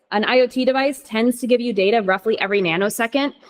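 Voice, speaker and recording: A woman with an American accent speaks at a fairly high pitch and a fairly quick pace. Her pitch varies in an ordinary way, and it is a normal speaking voice. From US, Denver, Colorado. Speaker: tech conference speaker, developer advocate. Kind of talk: tech talk presentation. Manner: fast.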